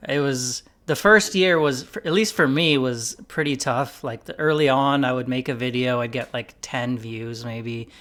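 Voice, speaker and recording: A man hosting a casual podcast conversation about investing, relaxed and rambling, with many "like"s and "you know"s. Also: mid-range voice, normal speed, few pauses. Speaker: investing YouTuber host.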